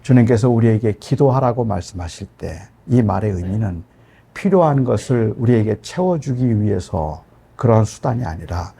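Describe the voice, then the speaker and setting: A man's voice: on the low side, expressive, normal speed, gravelly, slightly rough. A middle-aged man, a pastor, telling a personal story in a sermon with emotional storytelling. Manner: emotional storytelling, rising to loud outbursts.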